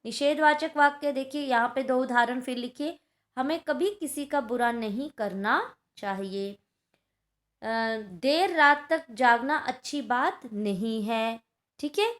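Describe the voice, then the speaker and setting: A woman's voice: high voice, unhurried, a bit bright. A woman teaching a Hindi grammar lesson to schoolchildren, explaining patiently and checking in often with her class.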